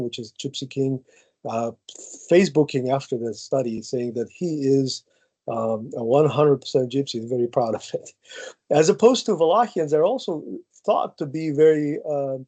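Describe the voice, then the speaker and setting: A man's voice: mid-range voice, a little slow, warm tone. A man answering audience questions over a video call, thoughtful and full of hesitant restarts. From Ukraine. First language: Ukrainian. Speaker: guest speaker, geneticist.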